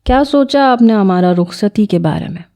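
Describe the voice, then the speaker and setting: A woman's voice: mid-range voice, lively intonation, mellow, no room sound, lightly acted. A woman voicing a bold, possessive young Pashtun husband who talks bluntly in broken, informal grammar. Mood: insistent.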